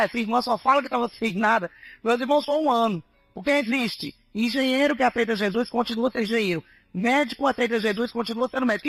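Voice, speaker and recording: Gravelly high-voiced woman preaching. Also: dry recording. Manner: animated storytelling, addresses listeners as brothers. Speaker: missionary giving testimony. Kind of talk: preaching testimony to a congregation.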